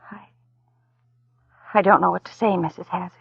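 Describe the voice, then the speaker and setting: A woman's voice: lowish voice, fairly even intonation, moderate pace, vocal fry, breathy edge, no room sound, heavily acted. An actress playing a shaken young woman, a train-crash survivor who talks hesitantly and falters, in a 1940s radio drama. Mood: timid. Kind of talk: 1940s radio acting and narration. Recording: muffled 1940s radio recording with music.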